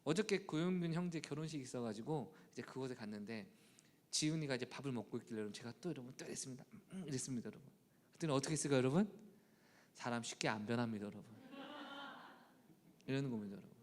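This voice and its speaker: A man's voice: mid-range voice, lively intonation, very fast. A middle-aged man preaching a sermon as pastor, addressing the congregation again and again and acting out his children's voices.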